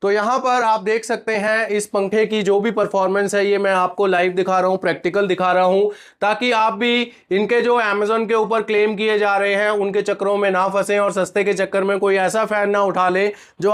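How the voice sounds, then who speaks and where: A man's voice: high-pitched, level tone, normal speed, hardly any pauses, a bit bright, clear, resonant tone. A man hosting a casual product review vlog with a sore throat, chatting viewers through a live test. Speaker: product reviewer, channel host.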